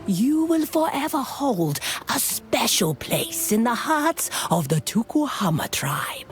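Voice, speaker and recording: A woman playing a doting, proud tribal elder in a fantasy game, with a breathy, drawn-out manner. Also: fairly high pitch, big pitch swings. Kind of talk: dramatic fantasy game acting. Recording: faint music under the voice.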